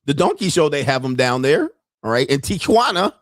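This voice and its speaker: A man's voice: mid-range voice, big pitch swings, brisk, dry recording, clean studio sound. A man hosting a casual commentary livestream, joking and rambling in slangy talk. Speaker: podcast host.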